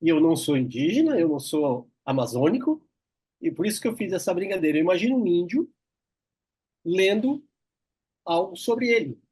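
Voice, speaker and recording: High-pitched husky male interviewer. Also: big pitch swings, moderate pace, long pauses, a little mellow, no echo. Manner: reflective, tells personal anecdotes. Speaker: interview host. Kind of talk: casual interview chat.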